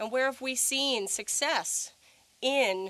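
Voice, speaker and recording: The intonation is lively. The speaker is a woman. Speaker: energy program director. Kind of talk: presentation at a round table forum. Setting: forum room with microphone and webcast.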